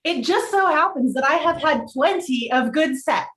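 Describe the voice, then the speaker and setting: Woman playing a prim young woman, higher-voiced. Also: lively intonation, normal speed, fairly bright tone. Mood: indignant. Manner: earnest, matter-of-fact, defensive. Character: practical, upbeat, prim young aspiring journalist, female. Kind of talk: informal script table read.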